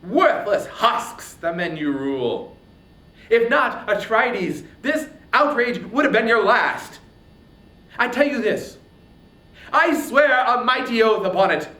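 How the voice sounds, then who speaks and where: A man's voice: very animated, pushed and bright, heavily acted. A man performing a proud, wounded, wrathful warrior hero in an impassioned, declamatory epic poetry reading. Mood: furious, defiant. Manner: declamatory, impassioned, drawn-out words. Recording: roomy echo, faint rumbling noise.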